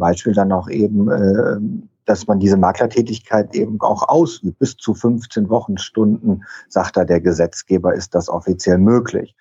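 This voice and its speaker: A man's dark, mellow voice, fairly low in pitch, at a moderate pace, with a dry, close sound and no echo. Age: 40s. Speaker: business startup coach. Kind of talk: casual interview. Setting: video call. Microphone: Teams call audio quality sometimes poor.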